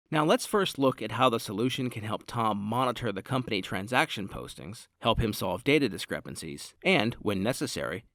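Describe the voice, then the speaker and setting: A man reading a scripted software tutorial in a measured, formal, explanatory way. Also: lowish voice, creaky, no echo, clean studio sound. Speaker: product tutorial narrator.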